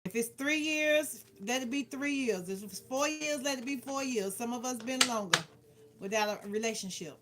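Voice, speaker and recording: A woman's voice: on the high side, moderate pace. A woman doing a casual livestream card reading, giving playful, blunt advice and repeating phrases for emphasis. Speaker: tarot card reader and livestream host. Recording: clearly noisy background with clicks.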